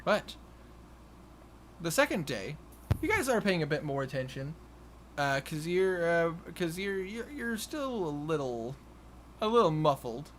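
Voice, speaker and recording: A man improvising narration as game master of a tabletop game, haltingly repeating and restarting his phrases. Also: fairly high pitch, very animated. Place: online voice call. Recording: noisy home voice-chat recording.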